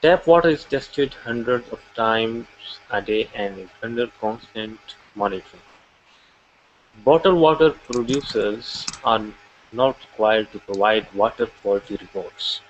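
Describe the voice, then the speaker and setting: A man from Pakistan, a student in an online class, speaking hesitantly with many fillers and reading aloud haltingly. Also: on the low side, expressive. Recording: muffled call audio with faint hiss.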